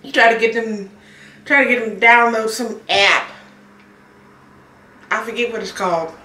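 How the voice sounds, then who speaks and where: A woman's voice: a little high, moderate pace, bright, forceful tone, echoey room. A woman, chatting casually on her eating vlog and telling a story with frequent laughs. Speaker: mukbang vlogger. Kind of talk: casual chat while eating.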